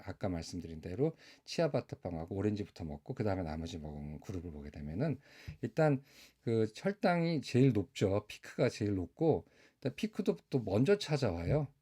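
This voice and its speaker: A middle-aged man, a doctor, talks viewers through slides at an unhurried pace, pausing on small fillers. His voice sits on the low side and sounds warm and mellow rather than bright. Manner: relaxed, measured explaining with fillers. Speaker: doctor explaining diabetes care.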